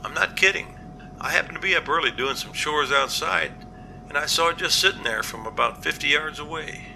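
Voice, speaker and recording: A man playing an earnest, cautious captain in an amateur audio drama, reporting in a measured, matter-of-fact way. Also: fairly high pitch, vocal fry, bright, forceful tone, slight background noise, exaggerated voice, poor audio. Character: male captain, earnest, practical, cautious, plain-spoken.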